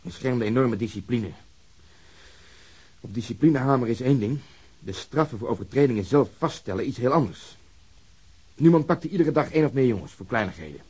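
An actor playing a blunt, bitter police officer in a radio drama, with a husky, emphatic delivery. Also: male voice, mid-range voice, expressive, a little fast, long pauses, a little mellow. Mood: indignant.

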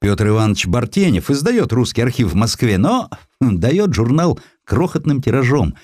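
A man reading a literary history audiobook in an expressive, theatrical storytelling manner, acting out the dialogue as he goes. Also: medium pitch, moderate pace, dry recording, studio quality. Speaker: audiobook narrator. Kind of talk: expressive scripted literary narration.

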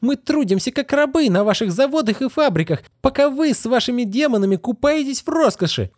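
A man's voice: high voice, big pitch swings, normal speed, darkish tone, dry recording, clean studio sound, pitched above the performer's own voice. A man voicing a defiant, scornful young woman who speaks with contempt. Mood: furious. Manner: contemptuous, furious outbursts. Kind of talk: audiobook character reading.

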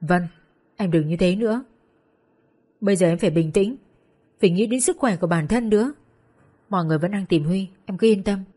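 A woman's voice: mid-range voice, fairly quick, long pauses, slightly rough, natural voice. Woman voicing a worried, firm male doctor. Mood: urging. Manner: calm, earnest persuading.

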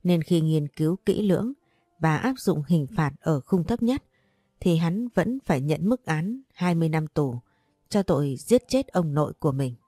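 A woman narrating a scripted story in a calm, measured way. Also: deep voice, breathy edge, no room sound, clean studio sound. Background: faint music.

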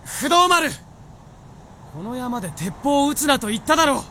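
Gruff white fox spirit, lively pitch. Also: male voice, normal speed, background noise. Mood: flustered, scolding. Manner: gruff scolding, sighing, blunt speech. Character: male white fox spirit, weary, gruff but kindly. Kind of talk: Japanese radio drama acting.

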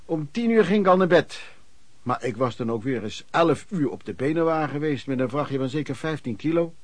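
An actor playing a hardworking itinerant peddler, looking back on his life in colloquial, reflective radio drama narration with a husky voice. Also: a little high, expressive, brisk, no echo. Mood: matter-of-fact.

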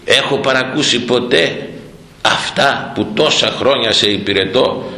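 A man's voice: mid-range voice, creaky, sharp tone, reverberant, voice pushed down. A man voicing a loyal talking donkey that plaintively asks why it is being beaten. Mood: reproachful.

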